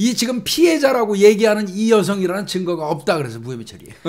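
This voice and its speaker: Against a quiet background, a man speaks with an animated tone, lively intonation, high pitch and a fairly quick pace. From South Korea. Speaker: former police investigator and criminology professor. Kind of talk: news commentary discussion. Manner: animated, blunt. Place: studio. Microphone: studio mic.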